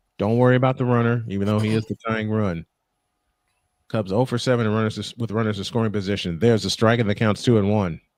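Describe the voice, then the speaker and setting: Very fast speech comes from a man with a fairly low pitch. His intonation stays fairly even. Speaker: sports play-by-play announcer. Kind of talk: live commentary. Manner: soft-spoken.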